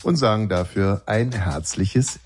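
Rambling, lowish-voiced male co-host. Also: unhurried. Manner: rambling and ironic, with many filler sounds. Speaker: podcast and radio co-host. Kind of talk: casual banter between co-hosts.

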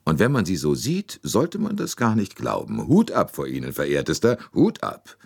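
A man's voice: deep voice, wildly swooping pitch, normal speed, vocal fry, darkish tone, slightly rough, voice pushed up, heavily acted. A man voicing a brash American detective who drawls and speaks bluntly. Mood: admiring.

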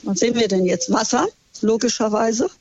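A woman's voice: on the high side, steady tone, a little fast, dry recording. A woman tour guide calling in to a radio show, cheerful and hesitant, with many ums and ahs. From Germany. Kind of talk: casual chat over the phone. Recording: dull, muffled phone line.

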